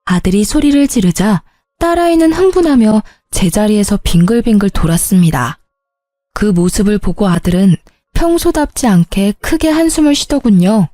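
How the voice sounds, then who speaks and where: A woman's voice: medium pitch, animated, moderate pace, dark tone, no echo. A middle-aged woman narrating her own family story in the first person, earnest and confessional. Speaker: storyteller mother.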